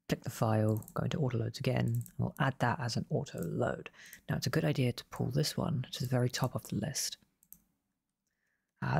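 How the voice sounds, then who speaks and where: A man with a husky, gravelly voice, worn down as he loses it, talks through a programming tutorial over a screen recording. He explains at an easy pace and corrects himself mid-sentence. The sound is dry and close, and keyboard typing and clicks come through underneath. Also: mid-range voice, no echo. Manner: relaxed, self-correcting explanations. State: losing his voice. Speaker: game development tutor.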